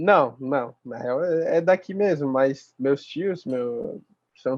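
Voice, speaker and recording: A man's fairly high voice is heard. The rise and fall of his pitch is ordinary. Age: 20s. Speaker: designer, studio founder. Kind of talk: casual podcast interview.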